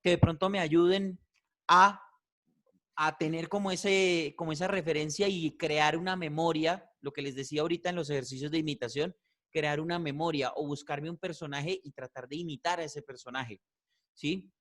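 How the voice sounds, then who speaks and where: A man teaching a voice class, animated and repetitive, checking in with "¿cierto?" often. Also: fairly high pitch, moderate pace. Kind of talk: online class feedback.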